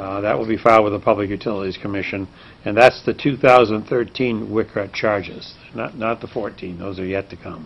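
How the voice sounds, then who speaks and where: With a normal speaking voice, a man talks at a fairly low pitch. Intonation stays fairly even, and the pace is moderate. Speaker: town manager. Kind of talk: public meeting discussion.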